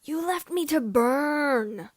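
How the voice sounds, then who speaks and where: A woman voicing a menacing half-machine dark lord and bitter father in a breathy voice, in a fan fiction reading. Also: high voice, animated, takes it slowly, dry recording, studio quality, pitched above the performer's own voice. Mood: anguished fury.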